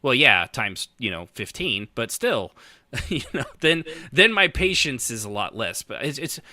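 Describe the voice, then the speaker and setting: Very bright-voiced, animated man chatting haltingly. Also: mid-range voice, no echo. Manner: halting, repeats words and circles back. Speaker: podcast co-host. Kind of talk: casual chat.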